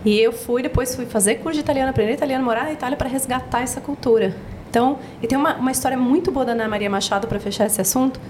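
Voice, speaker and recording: Brazilian woman podcast guest, fast and bright-voiced, spirited storyteller. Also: sits high, a little hiss or hum. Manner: animated storyteller, acts out quotes. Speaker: podcast guest, project founder. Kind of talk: casual podcast chat.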